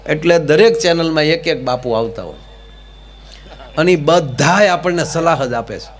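A man's voice: on the high side, animated, normal speed. A man, a folk comedian telling jokes on stage in a dry, rustic village way. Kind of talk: stage joke storytelling.

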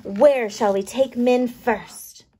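Slow, expressive woman reading to children. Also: on the high side, breathy edge. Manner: expressive, playful, emphasising words. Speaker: kindergarten teacher reading aloud. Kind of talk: children's picture book read-aloud.

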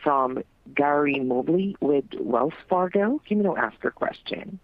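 A man's voice: fairly high pitch, animated, measured pace, no room sound. A man making announcements as a conference call operator. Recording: tinny narrow phone line.

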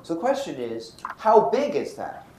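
An older man from Brooklyn gives a university lecture, checking in with his students. His pitch swings widely as he talks. The roomy hall adds echo, with a faint hiss under the voice. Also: huge pitch swings, moderate pace, warm tone. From Brooklyn, New York. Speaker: physics professor.

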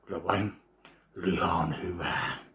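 Home food vlogger, male, very low voice, mumbling through mouthfuls, close webcam in a small kitchen with faint background noise. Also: steady tone, fairly bright tone. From Finland. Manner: chewing and savoring aloud, mumbled asides while eating. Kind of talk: casual food tasting vlog. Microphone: webcam at desk, framed close.

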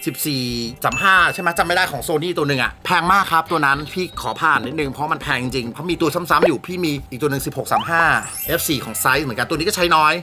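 A young man chatting casually and excitedly as he reviews a camera lens, swearing now and then. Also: a little high, quick pace, hardly any pauses. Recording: music bed under the voice.

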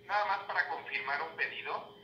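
A man's voice: on the high side, brisk, pushed and bright, highs cut off. A man with a Mexican accent talking informally as a pizzeria operator confirming things on a customer call. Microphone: phone call on speaker. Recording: noisy echoey speakerphone, far from mic.

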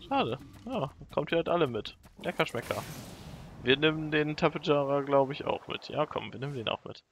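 Excitable young man with gravelly voice. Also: fairly high pitch, moderate pace, slight background noise. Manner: excitable, talks to the animals in the game. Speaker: gaming YouTuber. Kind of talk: casual let's play commentary.

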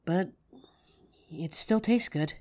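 Girl doing a soft low werewolf gf, slow and gentle, mellow voice. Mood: tender. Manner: tender, slow, grounding exercise. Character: gentle young female werewolf girlfriend. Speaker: voice actor. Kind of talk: F4A audio roleplay.

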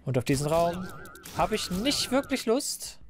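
A man doing casual, rambling commentary while playing a game, a little hoarse and stuffy, into a desk microphone. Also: sits high, very animated, measured pace. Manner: chatty, rambling, self-mocking. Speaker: let's player.

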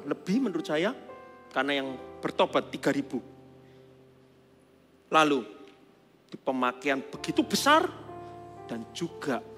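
Male pastor with a high-pitched voice, casual preaching that builds to emphatic outbursts, echoing hall. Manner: conversational preaching, swings from quiet to loud and emphatic. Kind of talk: sermon. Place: church auditorium.

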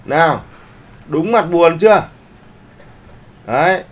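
A man's voice: a little high, lively intonation, slow. A man teaching a live online class, often checking that the students follow along. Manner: keeps checking in with the class, polite particles. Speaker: online art instructor.

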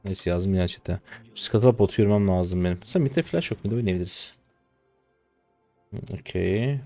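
A man in his twenties commenting live on his own gameplay, exasperated, swinging between low mutters and loud outbursts at his teammates. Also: moderate pace, soft background music. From Turkey. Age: 20s. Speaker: game streamer.

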